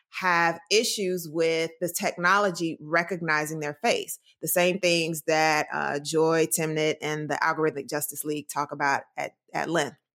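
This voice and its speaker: On a very clean recording with a silent background, a woman with a normal speaking voice and an American accent talks at a fairly slow pace with a fairly low pitch. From US South, Durham, North Carolina. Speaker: computer science professor. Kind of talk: interview.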